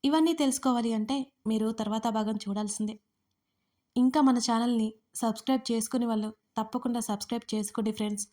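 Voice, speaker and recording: A woman storyteller narrating an audio story in a steady, even reading. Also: a little high, fast.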